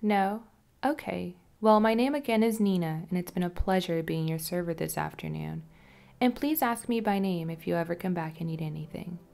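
Low, soft woman playing a soothing hypnotist waitress. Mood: friendly, chatty. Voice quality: soft, breathy, often whispery. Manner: slow, repetitive, soothing, coaxing. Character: friendly waitress turned soothing, commanding hypnotist. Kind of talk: ASMR hypnosis roleplay.

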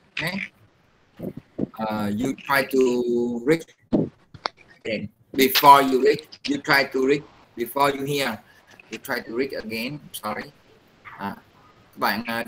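A man's voice: mid-range voice, a bit bright, slight background noise, low-quality recording. Patient male teacher. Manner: patient, pausing often to explain slowly. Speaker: English pronunciation teacher. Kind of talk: classroom instruction mixing Vietnamese and English.

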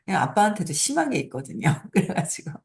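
A middle-aged woman talks casually as the host of her own show, sharing stories and advice in a loose, chatty way. Her voice sits on the low side for a woman, and she laughs easily as she goes. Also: big pitch swings, quick pace, a little mellow. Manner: chatty storytelling, frequent laughs. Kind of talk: casual motivational talk.

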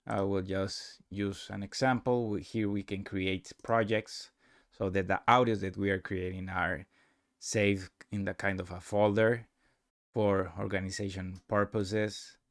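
A man narrating a casual software tutorial as a demonstrator, with halting, non-native English phrasing. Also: low-pitched, little pitch movement, dry recording, studio quality.

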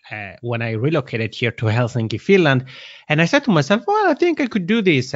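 A man with an Italian accent talks casually as a podcast guest, his pitch rising and falling a lot. He laughs easily and restarts phrases as he goes. The sound is dry and a little dull. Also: dry recording. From Italian-speaking Switzerland. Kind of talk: casual interview chat. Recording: dry, slightly dull audio.

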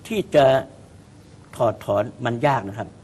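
A man's voice: measured pace, darkish tone. A man speaking as a political commentator on a talk show, emphatic and often repeating words as he starts a point.

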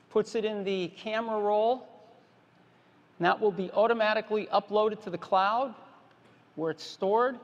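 A man's voice: high voice, muffled recording. A man presenting a product keynote on a large stage, explaining features in a plain, repetitive, emphatic way. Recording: reverberant conference hall.

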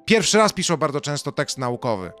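A man delivers a sarcastic, mocking rant in a fairly high voice. He jumps from loud outbursts down to low, dry asides. Soft music plays faintly beneath him. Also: big pitch swings, brisk. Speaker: video commentator. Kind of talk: ranting commentary monologue.

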